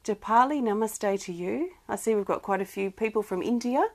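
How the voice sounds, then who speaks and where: A woman hosting a live healing-guidance stream, speaking gently with many pauses, a bit wheezy from irritated lungs. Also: mid-range voice. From Australia. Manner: soft, gentle, greets viewers by name, many ums and restarts. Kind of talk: live-streamed spiritual chat.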